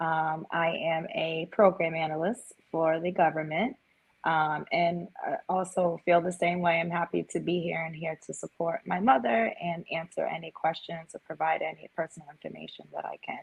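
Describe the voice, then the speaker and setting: An unremarkable speaking voice at a moderate pace, with fairly even intonation and hardly any pauses. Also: woman, fairly low pitch for a woman. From Rhode Island, US. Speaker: patient's daughter, government program analyst. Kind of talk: panel interview.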